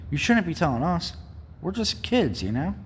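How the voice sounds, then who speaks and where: An earnest teenage boy acted by a man reading a story pleads urgently. His pitch is raised and jumps about, over faint background noise. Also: sing-song, normal speed. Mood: alarmed, protesting. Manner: raised, urgent, youthful phrasing.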